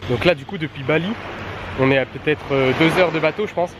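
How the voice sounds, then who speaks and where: A man's voice: a little high, brisk, noisy background. A young man chatting casually and informally to a travel vlog audience in offhand, slangy speech. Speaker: travel vlogger.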